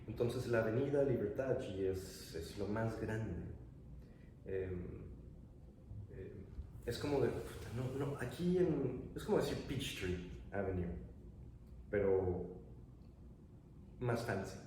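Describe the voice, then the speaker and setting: A man from Mexico talks casually as an interview guest, wandering through his thoughts and dropping in English words now and then. He sounds far from the mic in a strongly echoing room, with clear noise behind him. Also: lowish voice, takes it slowly, pauses often. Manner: relaxed, meandering, mixes in English words. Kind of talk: casual conversation. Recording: roomy, distant mic with clear background noise.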